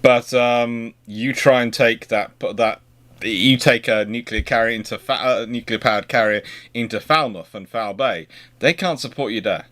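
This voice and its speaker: A man's voice: mid-range voice, normal speed, fairly bright tone. British man, rambling live-chat host. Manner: discursive, rephrases and corrects himself mid-sentence. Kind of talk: live question-and-answer chat on naval history.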